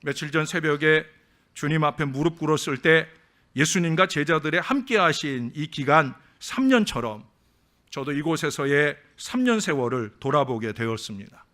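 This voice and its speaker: A male pastor preaching a sermon in a church, swinging between loud emphatic lines and quiet asides, and telling anecdotes with acted-out voices. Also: fairly high pitch, lively intonation, moderate pace. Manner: tells jokes as anecdotes, acting out the speakers. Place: church sanctuary.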